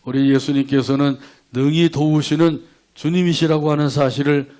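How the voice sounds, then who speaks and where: A male pastor delivers a sermon with a fairly high voice, posing rhetorical questions. He breaks up scripture into short lines for the congregation to repeat back, and he acts out the prayers he quotes. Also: fairly even intonation, normal speed, a little mellow. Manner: leads congregation in call-and-response verse reading.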